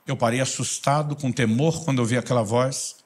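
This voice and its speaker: Brazilian pastor guy, kinda husky, preaching with big loud bits and quiet intense bits. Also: medium pitch, fairly quick. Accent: Brazilian Portuguese. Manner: animated, swings from loud bursts to hushed intensity. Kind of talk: storytelling sermon.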